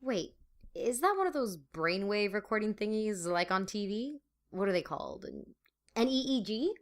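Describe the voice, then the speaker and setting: A woman's voice: mid-range voice, animated, normal speed, lightly acted. A woman playing a wry, weary student who narrates an audio drama in informal, slangy language. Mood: curious, dry. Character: sardonic, weary female student narrating her adventures. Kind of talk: audio drama acting and first-person narration. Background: loud music.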